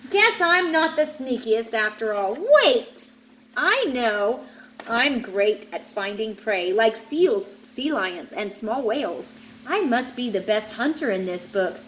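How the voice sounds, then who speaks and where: Woman playing a boastful, high-pitched great white shark. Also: expressive, takes it slowly, fairly bright tone, a little hiss or hum. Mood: undaunted. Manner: boastful, exclamatory storybook delivery. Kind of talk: children's picture book read-aloud.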